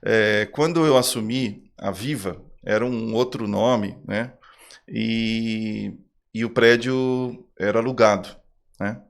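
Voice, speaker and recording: A man's voice: fairly low pitch, slow pace, vocal fry. A middle-aged man, a swimming school manager, telling a heartfelt story in a casual interview and repeating phrases for emphasis.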